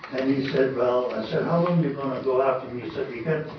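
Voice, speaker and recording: A man speaks at a fairly quick pace and medium pitch, with audible room echo and noticeable background noise. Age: 80s+. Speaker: resident addressing council. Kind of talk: public meeting submission. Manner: animated.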